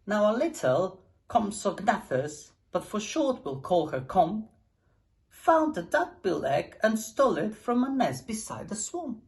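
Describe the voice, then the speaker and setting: A woman's voice: mid-range voice, big pitch swings, a little slow, a little mellow. A woman reading a rhyming picture book aloud with a rhythmic, sing-song delivery. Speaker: storybook reader.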